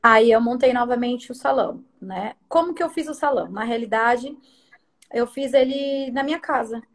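A woman's voice: fairly high pitch, moderate pace. A middle-aged woman who owns a salon, chatting as an interview guest and animatedly acting out the lines of the people in her stories. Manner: animated storyteller who acts out others' lines. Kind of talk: casual storytelling chat.

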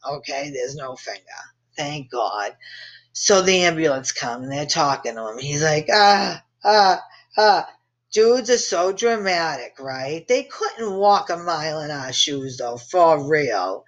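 In a deep, expressive voice at a measured pace, a woman hosting a podcast tells a family story as casual storytelling. She's brash and swears freely, laughing at her own jokes.

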